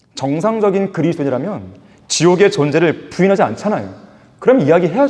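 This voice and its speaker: A high-pitched man at a very fast pace with lively intonation and audible room echo. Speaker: pastor. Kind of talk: sermon.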